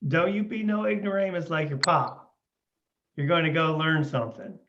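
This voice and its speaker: A man's voice: a little high, moderate pace, a bit bright, highs cut off, slight background noise, natural voice. A man playing a tender, doting young coal miner father in folksy rural dialect at a script table read. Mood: proud, encouraging.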